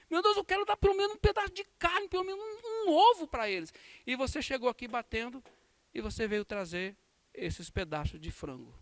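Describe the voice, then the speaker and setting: A man's voice: high-pitched, dry recording. A man with a Brazilian Portuguese accent teaching a Sunday school lesson as pastor, telling a story and acting out the lines people said. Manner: storytelling with acted-out quotes and warm laughs. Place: church.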